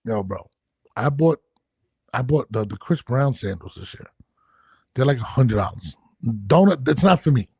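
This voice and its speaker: Gravelly husky man, blunt and joking. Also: medium pitch, animated, unhurried, pauses often, a little mellow, no room sound, clean studio sound. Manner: blunt, profane and jokey. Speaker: podcast co-host. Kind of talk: casual chat.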